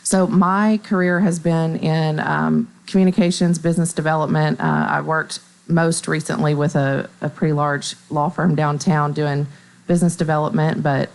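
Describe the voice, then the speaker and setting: Low-voiced woman guest on local radio. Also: flat delivery, creaky. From Middle Tennessee. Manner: measured, upbeat, with fillers. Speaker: bank marketing staff, guest. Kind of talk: radio interview.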